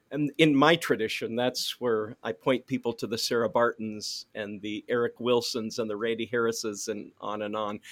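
An ordinary speaking voice with an American accent moves at a moderate pace with fairly even intonation and hardly any pauses. The recording is very clean, with a silent background and a dry, close sound with no echo. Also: man, medium pitch for a man. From Missouri, Ozarks. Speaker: preacher and ministry leader. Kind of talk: casual interview conversation.

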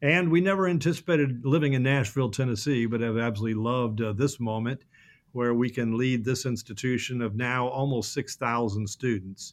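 A man has an ordinary speaking voice at medium pitch with ordinary pitch variation. He talks at a fairly quick pace against a quiet background. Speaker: university president. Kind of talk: interview conversation.

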